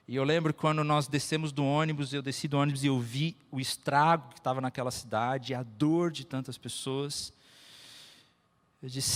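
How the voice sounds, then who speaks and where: A Brazilian man preaching a sermon with personal stories, emphatic and repeating phrases for effect. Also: mid-range voice. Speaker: pastor. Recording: echoey hall with long reverb.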